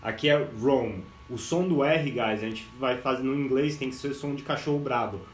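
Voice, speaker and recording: A man with a Brazilian accent teaching English pronunciation on a live stream, energetic, switching between English and Portuguese, drilling words slowly and exaggerating sounds. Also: medium pitch, reverberant. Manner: energetic, mixes English and Portuguese, greets viewers.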